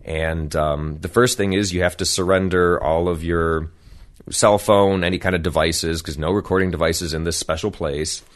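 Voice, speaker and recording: A man's voice: deep voice, fairly even intonation, normal speed. An American man, a podcast guest, telling stories casually with profanity and mimicked voices. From United States. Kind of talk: casual storytelling.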